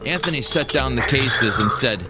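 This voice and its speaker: A man's voice: medium pitch, moderate pace. An American man telling a personal story as scripted first-person narration. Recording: music behind the voice.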